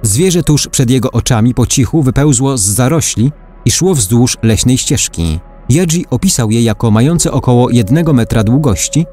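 A man reading a scripted article aloud as a narrator, in a measured storytelling manner, like a documentary. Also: medium pitch, warm tone. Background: faint background music.

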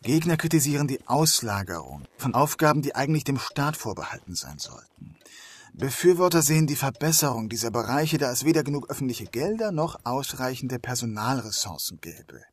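A sardonic male detective inspector in a crime audio drama, acted by a man. His voice is husky and moves widely in pitch. He comes across as dogged and pointed. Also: very animated, fairly quick. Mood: reading out.

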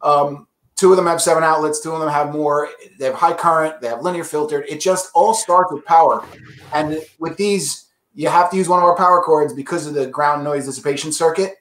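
A man with a slightly high voice talks through audio gear like a keen salesman, upbeat and chatty. The sound is roomy, with a clear echo around him. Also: fairly quick, fairly bright tone, a little hiss or hum. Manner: enthusiastic salesy explaining. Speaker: brand representative. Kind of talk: casual product pitch.

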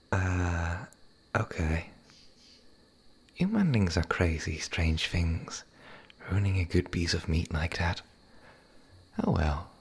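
A man voicing a gentle, playful male werewolf in an ASMR roleplay, speaking softly and intimately, often in a whisper. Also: deep voice, full character voice. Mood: curious, playful. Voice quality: husky, breathy, gravelly. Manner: soft, intimate, halting.

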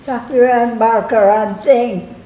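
Very old trini lady, high voice, slow and rambly, noisy room. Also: fairly even intonation, warm tone. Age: older. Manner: rambling, laughing, hard to follow. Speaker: interviewee. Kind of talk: documentary interview. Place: indoor living room.

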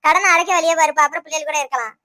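A woman voicing a wealthy, blunt sister-in-law who lectures about a debt, speaking with a Tirunelveli Tamil accent in an animated cartoon. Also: high-pitched, racing, pitched below the performer's own voice. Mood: lecturing. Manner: lecturing, blunt, money-minded. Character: rich, scolding older sister-in-law.

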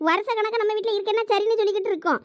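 Shrill fast-talking village mom, bossy, thoothukudi accent, dry sound, a woman doing it. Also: no echo, dull audio. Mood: scolding. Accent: Thoothukudi Tamil. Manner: scolding, domineering. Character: scolding village mother, bossy and loud. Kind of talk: village comedy skit.

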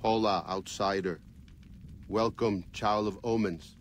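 A man's voice: fairly low pitch, steady tone, takes it slowly, a little hiss or hum. A man voicing a solemn old tribal shaman who speaks in clipped, broken English.

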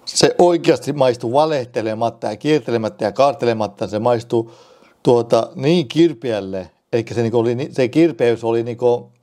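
A Finnish man talking casually to the camera at home, rambling in a halting, jokey way and restarting words often. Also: mid-range voice, warm tone. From Finland. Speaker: vlogger.

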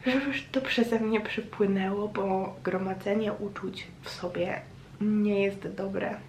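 A woman records a casual personal vlog in a roomy, echoing space with faint noise behind her. Her delivery is slow and reflective. She pauses often as she searches for words. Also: mid-range voice, fairly even intonation, darkish tone. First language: Polish. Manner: hesitant, pausing, reflective. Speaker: vlogger.

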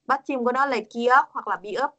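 A woman's voice: fairly high pitch, fairly quick, pushed and bright, highs cut off. A woman teaching a Korean pronunciation lesson over a video call, patient and coaxing, repeating words for her students.

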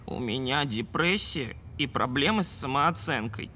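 A woman's voice: very deep voice, animated, a little slow, very noisy. A woman voicing an earnest, moody schoolboy in a children's cartoon, with a whiny, protesting manner. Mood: glum.

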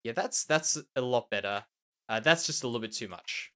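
Clear and resonant, his medium-pitched voice is expressive, fairly bright, and delivered at normal speed. This Australian Minecraft let's play host muses in a nasal, slightly tender way, repeating words as he casually comments on his building.

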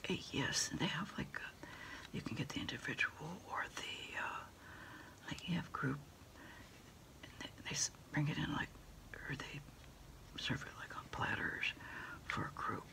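A middle-aged American woman whispering an ASMR role-play as someone taking phone orders, unhurried and pausing as if listening to a caller. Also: deep voice, lively intonation, gravelly, sharp tone. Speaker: ASMR creator role-playing a food delivery order taker.

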